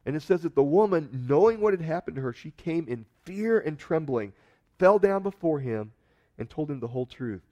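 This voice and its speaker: Man preaching an expressive sermon. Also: fairly high pitch, normal speed, dull audio. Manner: expressive storytelling, voices quotes dramatically, emphatic swells. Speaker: pastor.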